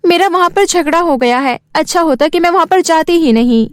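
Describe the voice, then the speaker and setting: A woman voicing a stubborn, sulky poor schoolgirl in a children's cartoon, whiny, demanding and quick to talk back. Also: very high voice, no room sound, voice pushed up. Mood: upset. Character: stubborn, sulky poor schoolgirl who craves pretty clothes.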